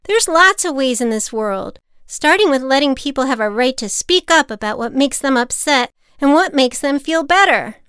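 A woman's voice: sits high, lively intonation, normal speed, few pauses, a bit bright, dry recording, clean studio sound, voice pushed up. A woman voicing a defiant young boy who argues back at an adult. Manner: indignant, argumentative.

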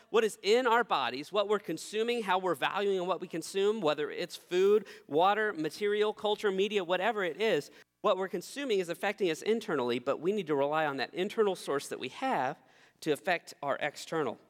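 A man's voice: sits high, a little fast, fairly bright tone, big-room sound. A young man, preaching a sermon in a conversational, self-deprecating way. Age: 20s. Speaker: pastor.

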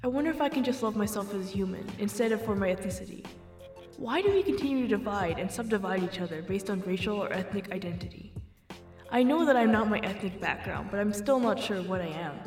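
A woman's voice: medium pitch, expressive, fast talker, darkish tone, soft background music, lightly acted. A young woman playing an earnest young woman who keeps questioning where she belongs, in an amateur audio drama. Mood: reflective. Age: young adult. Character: young mixed-race woman, searching and earnest.

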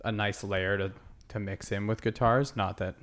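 A man's voice: on the low side, moderate pace. A young man co-hosting a casual podcast, rambling with many fillers and acting out little quotes. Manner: rambling, filler-heavy, lively impressions. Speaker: podcast co-host, band member. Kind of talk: casual chat.

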